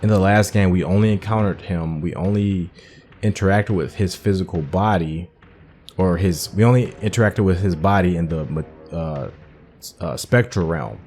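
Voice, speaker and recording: Deep-voiced man doing casual game commentary. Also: normal speed, a little mellow, faint music behind. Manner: informal, thinking aloud. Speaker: gaming host.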